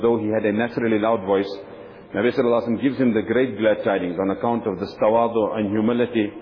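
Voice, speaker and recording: A man giving an earnest religious talk, telling stories in a steady, devoted way and using many Arabic honorifics. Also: lowish voice. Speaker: Islamic speaker. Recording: dull lo-fi recording with faint noise.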